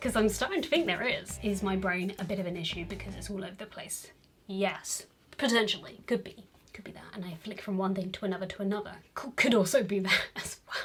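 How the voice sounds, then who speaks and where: An animated woman at a fairly quick pace, with ordinary pitch variation and big swings in loudness. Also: medium pitch for a woman. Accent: British. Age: 20s. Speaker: mental health vlogger. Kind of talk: casual vlog monologue. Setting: seated in a spinning chair.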